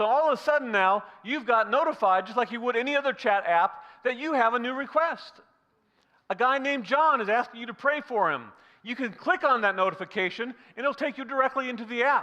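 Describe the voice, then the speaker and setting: A man uses a raised, projected voice with an extremely high pitch and a bright, sharp tone. He talks at a fairly quick pace with lively intonation. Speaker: digital evangelism trainer. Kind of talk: training presentation. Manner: fast.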